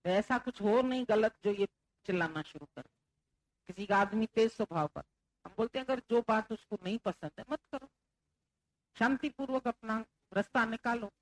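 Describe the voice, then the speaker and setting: A woman's voice: fairly high pitch, moderate pace, dry recording, poor audio. A woman spiritual teacher giving a devotional sermon, talking conversationally and acting out the people she quotes. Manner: conversational, acts out quoted speech.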